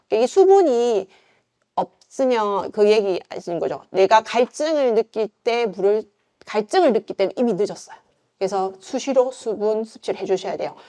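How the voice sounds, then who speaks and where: This yoga instructor, a middle-aged woman from the Gyeongsang region by her accent, has a medium-pitched voice with a dark tone. Her informal lecture is talkative and casual, peppered with fillers and questions she doesn't expect answered.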